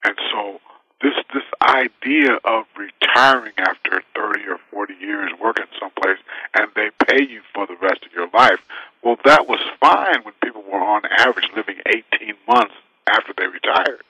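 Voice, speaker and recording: Male guest advisor, emphatic, sharp tense tone, dry sound. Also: on the low side, normal speed, slightly rough, dry recording, poor audio. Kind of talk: interview answers.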